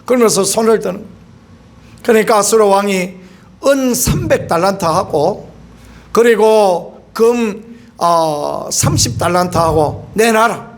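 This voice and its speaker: A man's voice: high-pitched, slow. A middle-aged man preaching an earnest evening prayer-meeting sermon in a church, now and then acting out quoted voices and crying out. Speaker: pastor.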